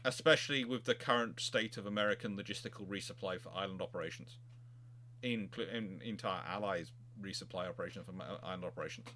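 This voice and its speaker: Male live-chat host, low-pitched but forceful, halting expert explainer, faint noise and hum behind. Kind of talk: informal expert discussion, answering viewer questions.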